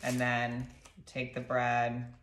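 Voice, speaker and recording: A woman in her thirties casually walking through a recipe in her home kitchen, chatty and relaxed, filmed by a camera across the counter. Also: rumbling low, slow pace, very noisy. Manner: relaxed, chatty instructions with fillers. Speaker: doctor sharing recipes. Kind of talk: casual cooking demonstration. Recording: echoey kitchen, slightly distant.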